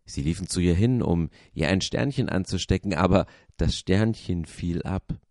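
A man with a low, mellow voice reads a children's story aloud. He tells it expressively, as a pastor would to listeners. The recording is close and dry. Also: normal speed, dry recording.

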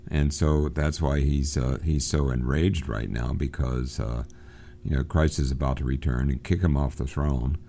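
A literature lesson on a recorded program is delivered by a man whose voice is very low and mellow, with a steady tone. He takes his time, frequently stalling on fillers and restarting sentences, and there's slight background noise.

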